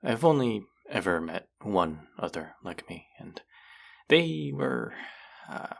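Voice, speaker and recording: A man acting an earnest, gently wry thousand-year-old immortal in an intimate audio roleplay, speaking in a hesitant, confiding way. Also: fairly low pitch, sing-song, slow, vocal fry, heavily acted. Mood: hesitant confession. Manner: hesitant, confessional, softly reassuring.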